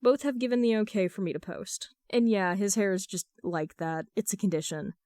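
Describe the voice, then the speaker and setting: A woman's voice: medium pitch, fairly quick, warm tone, dry recording. Woman reading fan fiction, dry close sound. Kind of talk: scripted narration, amateur audiobook reading of texts and story.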